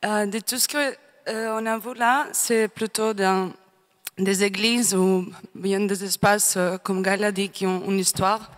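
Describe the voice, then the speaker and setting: Very slowly, with long and frequent pauses, a woman speaks at a medium pitch in a flat, monotone way. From Serbia. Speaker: audience member. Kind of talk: audience question. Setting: lecture hall with audience. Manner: halting, searching for words.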